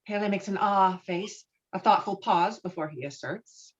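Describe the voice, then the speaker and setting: A woman's voice: medium pitch, moderate pace. A woman narrating stage directions from a film script at a virtual table read. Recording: dull, lo-fi video-call audio.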